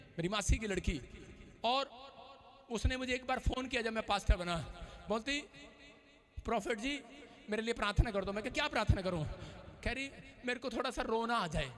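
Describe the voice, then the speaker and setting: Male pastor, very high pitch, bright forceful tone, animated storytelling sermon, shouted deliverance prayers. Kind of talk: Pentecostal sermon. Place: church hall.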